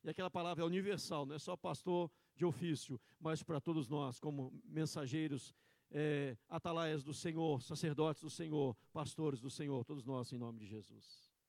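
A man preaching a sermon as pastor, moving from quiet low asides to loud, slow, emphatic lines. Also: no echo.

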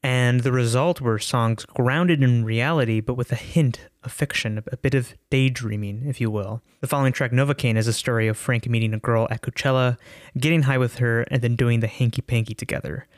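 A man giving a spoken album review in an earnest, thoughtful way, with a few restarts and drawn-out words. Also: medium pitch, steady tone, no echo, studio quality. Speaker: music reviewer.

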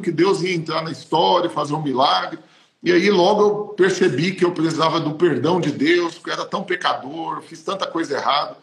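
A man, a pastor, telling a personal testimony in an emotional, emphatic way. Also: on the high side. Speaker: pastor and podcast host. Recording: roomy echo.

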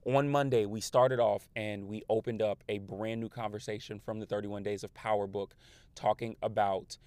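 A man with an African American accent hosting a motivational podcast in an animated, slangy manner that shifts between registers. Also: on the low side, normal speed, no echo. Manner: animated, slangy, code-switching. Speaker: podcast host.

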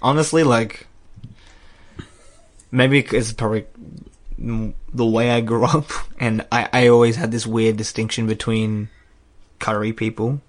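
This is a young adult man, chatting casually as a guest. He rambles and circles back on himself, self-deprecating and quick to laugh at his own words. His pitch sits in an ordinary middle range for a man. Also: level tone. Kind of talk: casual personal chat.

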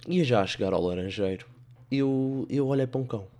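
A man's voice: mid-range voice, fairly quick, dark tone. A young man with a European Portuguese accent hosting a podcast, telling comic stories in a sarcastic, rambling, playful monologue. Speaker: podcast host.

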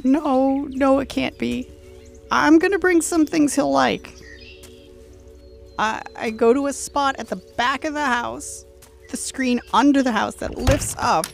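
A woman playing a meek, strange child who speaks with halting, formal politeness in an improvised audio drama. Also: sits high, gravelly, exaggerated voice. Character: odd, meek, hollow child named Dirt, eerily polite.

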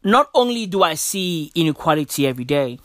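This young South African man runs a laid-back solo podcast, full of slang and addressing the listener as "bro" and "bruv." His voice is on the high side, a bit bright, sing-song, and a little fast, recorded on a podcast mic at studio quality with no echo.

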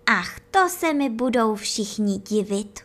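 A woman voicing an eager, dreamy young schoolboy in a children's story, chattering with excitement. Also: fairly high pitch.

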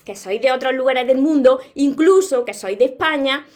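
A woman's voice: high-pitched, moderate pace, a little mellow. A woman from Córdoba with an Andalusian accent, giving an earnest, encouraging motivational talk to her viewers on a live stream. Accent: Andalusian Spanish. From Córdoba, Andalusia, Spain. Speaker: motivational content creator and author.

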